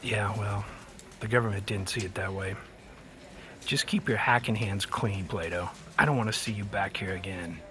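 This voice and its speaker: An actor playing a matter-of-fact, chiding prison release officer in an audio drama. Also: male voice, fairly low pitch, fairly even intonation, normal speed, a bit bright, slight background noise, lightly acted. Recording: music clearly behind the voice.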